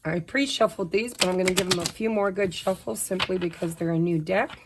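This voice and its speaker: A woman, slightly hoarse while her voice recovers, chatting casually and apologetically through a pick-a-pile tarot reading. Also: on the low side, a little fast, heavy background noise. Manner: chatty, apologetic, tells personal updates while shuffling. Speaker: tarot reader.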